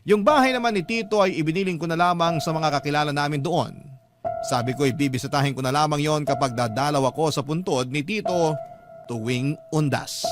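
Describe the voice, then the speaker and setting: A young man narrating a letter in a scripted radio drama, earnest and confessional. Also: fairly high pitch. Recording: loud music bed under narration.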